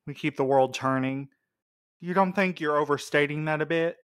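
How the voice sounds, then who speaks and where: An actor playing a wry, skeptical courier in an audio drama, with a casual way of talking. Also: male voice, on the high side, moderate pace, fairly bright tone, clear, resonant tone, no room sound, clean studio sound, close to an everyday voice. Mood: wry, challenging. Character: wry, skeptical male courier, anxious devoted husband.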